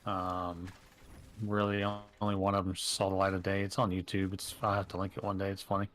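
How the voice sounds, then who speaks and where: A man's voice: low-pitched, completely flat delivery, fairly quick, a bit bright. A man chatting casually with a friend during a game stream, easygoing and a little hesitant. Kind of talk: casual gaming chat. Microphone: desk microphone.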